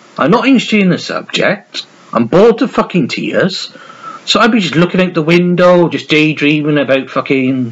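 A man talks at a moderate pace in a high voice. His pitch swings very widely. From Wales, Newport (Pill). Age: 20s. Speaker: YouTuber. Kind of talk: casual monologue vlog. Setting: home video recording. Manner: rambling, repetitive. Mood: loose, candid, frequent swearing. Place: home room. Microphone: webcam.

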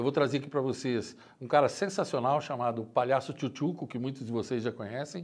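This man's medium-pitched voice moves fairly quickly, with ordinary pitch variation. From Brazil. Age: 50s. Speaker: talk show host; show host. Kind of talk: casual interview. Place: studio.

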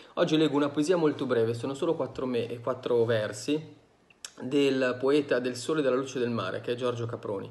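Medium male pitch with ordinary variation. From northern Italy, Milan; northern Italy. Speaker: novelist. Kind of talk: reflective commentary with poetry reading. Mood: calm, thoughtful. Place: home room. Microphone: phone near.

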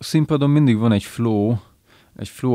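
A dark, mellow tone against a quiet background, dry with no echo. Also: man. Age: young. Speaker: rock singer and guitarist. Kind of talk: interview. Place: studio. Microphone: studio mic.

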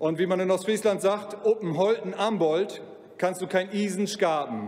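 At a moderate pace, a man talks in a high pitch with fairly even intonation and very even loudness. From East Frisia, Germany. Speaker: member of parliament. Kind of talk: parliamentary speech. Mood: light, humorous asides. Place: hall. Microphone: podium.

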